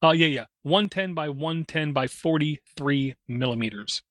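A man's voice: a little high, normal speed, fairly bright tone, slight background noise. A man talking casually about hardware as a podcast co-host, enthusiastic and fond of homespun comparisons. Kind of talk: casual tech chat.

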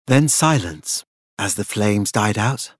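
A man reading a literary story as an audiobook narrator, measured and dramatic in his delivery. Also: lowish voice, lively intonation, dry recording, clean studio sound.

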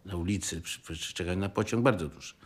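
An older man reminiscing in a halting way, stopping to clear his throat. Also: sits low. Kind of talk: reminiscing interview, breaking into song.

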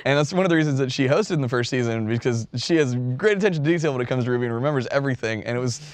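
A man's voice: mid-range voice, very fast, dry recording. A man hosting a podcast, chatting casually and animatedly with lots of fillers. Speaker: podcast host. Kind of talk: casual chat.

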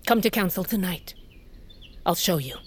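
An actress playing a fierce, aging tribal queen and mother in an audio drama, speaking in a grave, measured way and sometimes coughing from sickness. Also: lively intonation, a little hiss or hum, natural voice. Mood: weary tender. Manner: grave, measured, low storytelling delivery. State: sickly, coughing.

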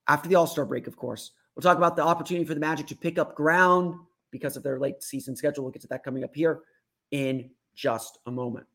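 A hoarse, raspy man with a fairly high voice hosts a casual sports talk show. He is under the weather and rambles, repeating words and restarting his sentences as he goes. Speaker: sports podcast host.

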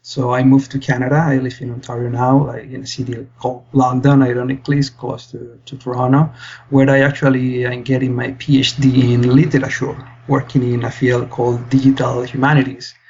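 A man's voice: mid-range voice, level tone, brisk, gravelly, darkish tone, lo-fi sound, slight background noise. A young man from Spain, a PhD student, explaining his work earnestly as a podcast guest. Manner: earnest, explains with many fillers and restarts. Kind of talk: interview answers.

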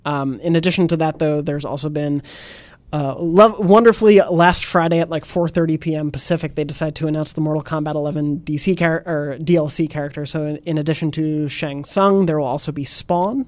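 A male podcast host with a somewhat high voice chats loosely with his panel. He rambles a bit and fills his pauses with fillers. His voice sounds close and dry, with no room echo. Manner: relaxed, rambling, many fillers. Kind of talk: casual panel chat.

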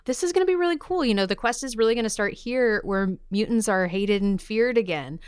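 A woman's voice: on the high side, lively intonation, a little fast, a little mellow, smooth, no echo, studio quality. A woman co-hosting a podcast, presenting upbeat comic-book news in an enthusiastic, playful, slangy way. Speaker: podcast co-host.

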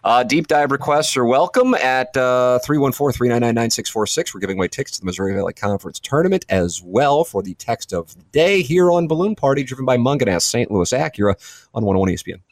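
A man's voice: medium pitch, animated, quick pace, no room sound. Male, sports talk host, casual banter, dry teasing delivery, close dry studio sound. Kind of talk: casual sports radio banter, reading listener texts. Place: radio studio. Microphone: close studio microphone.

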